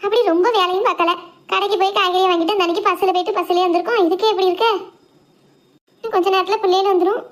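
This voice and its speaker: A woman's voice: extremely high pitch, fairly even intonation, very fast. A woman voicing a tired, affectionate, grumbling village mother in a cartoon, chattering in a Tirunelveli Tamil accent. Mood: weary, grumbling. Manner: colloquial, chattering, complaining. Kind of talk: homemade cartoon family drama.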